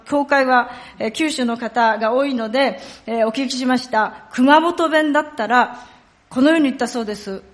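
A woman pastor delivers a sermon in a fairly high voice. She tells the story with expressive emphasis and lowers her voice to a hush at solemn moments. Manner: storytelling, acts out quoted lines and dialects; drops to a hushed tone for solemn passages.

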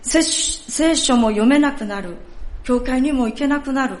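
A woman leading a church service, speaking in a polite, formal and measured way. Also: high-pitched. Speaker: church worship leader. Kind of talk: sermon talk at a church service. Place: church sanctuary. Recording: echoey church hall, faint noise.

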